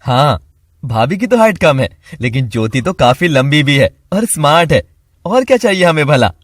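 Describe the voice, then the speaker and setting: A man's voice: on the high side, very animated, moderate pace. Brief: greedy boastful young man, eager. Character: greedy young man chasing a rich bride.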